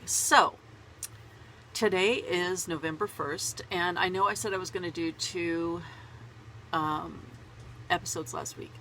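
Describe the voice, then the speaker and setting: Congested woman with a gravelly voice. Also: fairly low pitch, pushed and bright, slight background noise, low-quality recording. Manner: rambling and chatty, laughs at herself. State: congested with a cold. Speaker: knitting vlogger. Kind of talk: casual chat to camera. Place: small home closet.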